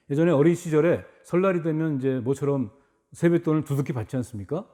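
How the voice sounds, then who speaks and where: A middle-aged man giving a casual product review narration. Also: medium pitch. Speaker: replica gun reviewer.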